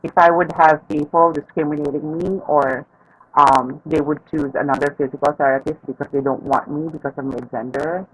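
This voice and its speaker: A trans woman, a physical therapist, telling candid personal stories as a podcast guest, reflective and soft-spoken. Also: sits low, fairly even intonation, normal speed, low-quality recording. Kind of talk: personal storytelling in a podcast interview.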